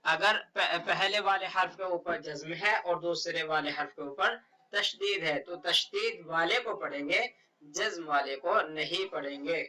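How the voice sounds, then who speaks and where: A man teaching how to read the Quran, spelling out Arabic letters and words one slow syllable at a time. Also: fairly high pitch, pushed and bright, far from the mic, rough recording. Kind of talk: step-by-step recitation lesson.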